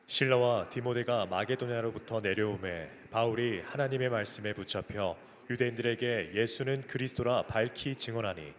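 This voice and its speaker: A man with a mid-pitched voice reads scripture aloud as part of a service. His words ring out with the long reverb of a large hall. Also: normal speed, few pauses. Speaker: scripture reader. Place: church worship hall, live service.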